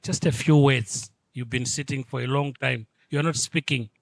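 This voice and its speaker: A man's voice: medium pitch, moderate pace, creaky, no echo. Courteous male event host, dry sound. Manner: courteous, introducing speakers. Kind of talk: formal event hosting. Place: conference room.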